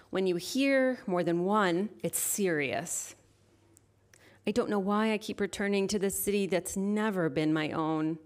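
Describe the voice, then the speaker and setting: A middle-aged woman poet and lecturer, introducing her work haltingly before a slow, measured reading of her poems into a stage microphone. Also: medium pitch. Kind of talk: poetry reading with spoken introduction. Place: stage at a literary venue.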